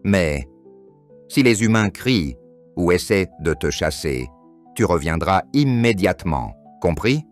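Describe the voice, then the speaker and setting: A man's voice: deep voice, very animated, slow, faint music behind, heavily acted. A man voicing a stern but caring, cautious ogre father in a children's cartoon, firm and protective. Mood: reluctant, protective.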